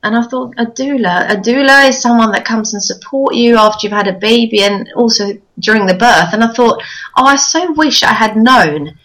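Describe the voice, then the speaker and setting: A woman's voice: a little high, moderate pace, a bit bright, rough recording. A woman in her forties from Sweden, a podcast guest telling her story candidly in a casual interview. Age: 40s.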